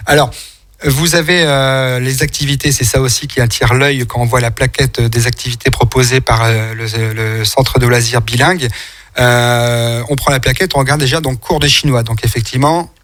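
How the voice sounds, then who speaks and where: A man's voice: medium pitch, steady tone, normal speed, fairly bright tone. A man from France hosting a local radio interview in a chatty, wordy way, rambling and repeating words as he goes. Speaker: radio host.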